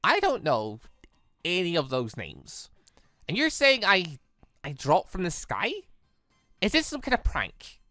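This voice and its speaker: A bewildered young man in a visual novel, acted out by a narrator, anxious and hesitant. The voice is bright, with dramatic swings in pitch and a note of disbelief. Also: huge pitch swings, unhurried, pauses often, dry recording, soft background music, full character voice. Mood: confused, alarmed.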